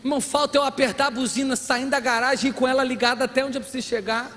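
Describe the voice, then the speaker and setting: High-voiced, animated pastor in reverberant hall. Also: male voice, rapid-fire. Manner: animated, humorous preaching with acted-out dialogue. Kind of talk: sermon. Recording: long hall reverb, faint room noise.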